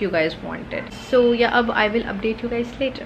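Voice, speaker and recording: Noticeable background noise under a woman's voice at a moderate speed. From Pakistan, Karachi. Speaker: beauty and lifestyle vlogger. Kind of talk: casual vlog.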